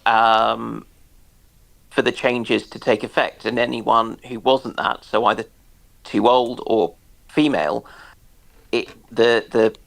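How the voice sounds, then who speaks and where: A man explaining things in a casual discussion, halting and careful as he searches for his words. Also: medium pitch, steady tone, vocal fry, a bit bright.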